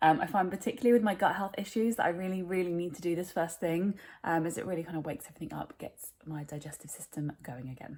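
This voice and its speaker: Talking at a very fast pace with hardly any pauses, a woman with a British accent and a fairly low pitch shows ordinary pitch variation and big swings in loudness. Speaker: lifestyle vlogger. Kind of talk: casual vlog narration. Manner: relaxed, chatty.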